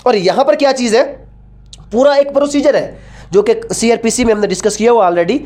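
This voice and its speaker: Female lecturer, Pakistani accent, higher-pitched voice; teaches by question and answer, repeating key phrases for emphasis. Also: fairly quick, warm tone. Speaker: law lecturer. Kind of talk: explanatory law lecture, code-switching with English.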